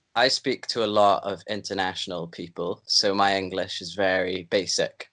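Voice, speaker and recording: With a British accent, a man speaks at a moderate pace in a fairly low voice with a bright, sharp tone against a quiet background. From UK. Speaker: debate opponent. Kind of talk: debate.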